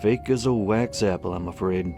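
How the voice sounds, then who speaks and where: A man's voice: fairly low pitch, moderate pace, creaky, music in the background. An actor playing a flippant, folksy male building keeper who only pretends to care, in a video game. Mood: flippant, unconcerned.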